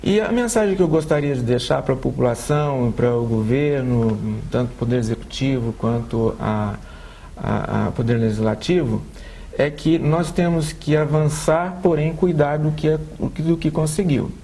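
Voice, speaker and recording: A man with a Brazilian accent, an accessibility adviser speaking in a panel debate, earnest and halting, often repeating words. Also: mid-range voice, vocal fry, dark tone. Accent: Brazilian Portuguese.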